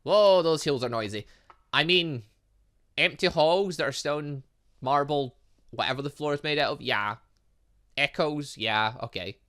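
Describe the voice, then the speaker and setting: A man giving let's play commentary on a game, reading text aloud with rambling asides as he thinks out loud. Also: a little high, a little slow, pauses often. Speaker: gaming channel host.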